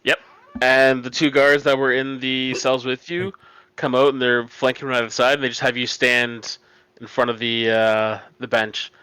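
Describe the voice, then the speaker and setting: A man's voice: medium pitch, flat delivery, moderate pace, sharp tone, smooth, dry recording, low-quality recording. Casting: man as tabletop game master, forward clean tone, describing scenes to players. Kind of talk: narrating a tabletop role-playing game.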